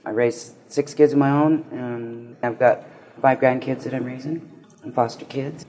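A woman's voice: a bass voice, fairly even intonation, normal speed, dark tone. A woman from Pueblo, Colorado, speaking in a plain, matter-of-fact way. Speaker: guest.

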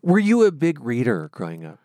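A man interviewing an author, asking thoughtful, measured questions. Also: mid-range voice, huge pitch swings, a little mellow, no echo, studio quality.

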